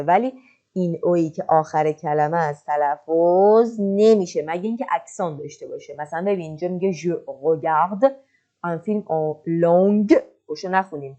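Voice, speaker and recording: A woman teaching French, patiently explaining and slowly reading French example sentences. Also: lowish voice, mellow. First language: Persian. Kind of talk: online language lesson.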